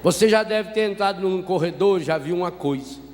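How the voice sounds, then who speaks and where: A Brazilian Catholic priest preaching a sermon, telling a story with humor and asking the congregation questions. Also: male voice, sits high, a little fast. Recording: reverberant hall with faint noise.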